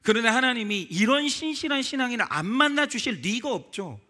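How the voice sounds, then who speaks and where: A man's voice: very high-pitched, animated, brisk, sharp tone. A male pastor preaching a sermon, acting out quoted lines and pressing the congregation with rhetorical questions. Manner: acts out quoted voices in his telling.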